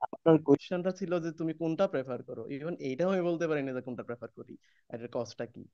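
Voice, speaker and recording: Young guy student talking fast, kinda hesitant, dull dry sound. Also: a little high, warm tone, no room sound. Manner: casual, hesitant, many fillers. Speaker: former student. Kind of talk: casual testimony in class.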